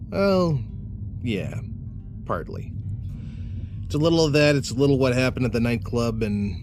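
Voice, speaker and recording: An actor playing a weary, guilt-ridden middle-aged police officer in a naturalistic audio drama, with a hesitant delivery. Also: male voice, mid-range voice, expressive, normal speed, music in the background, close to an everyday voice. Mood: weary, troubled. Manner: hesitant, sighing, world-weary.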